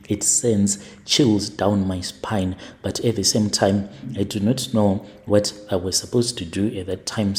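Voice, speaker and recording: Low-voiced man telling a story. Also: a little mellow. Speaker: host and narrator. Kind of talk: storytelling narration of a listener's confession.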